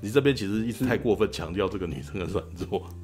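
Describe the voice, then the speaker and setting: Fairly low-pitched and quick, a male podcast host with a Taiwanese Mandarin accent chats casually as he animatedly recounts a scene from a film. He keeps adding "you know?" to his lines and laughs a lot.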